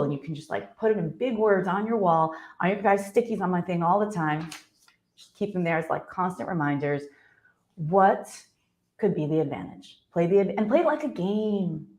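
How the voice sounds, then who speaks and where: A woman guest on a podcast giving practical coaching advice in an expressive, playful way. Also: mid-range voice, moderate pace. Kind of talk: casual podcast conversation.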